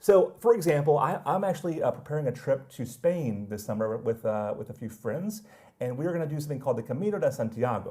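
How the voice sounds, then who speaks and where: Speaking at a very fast pace, a man with a fairly high pitch and a dark, mellow, somewhat breathy tone makes very wide pitch swings. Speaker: tech trainer. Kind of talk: live webinar tutorial. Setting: live online session.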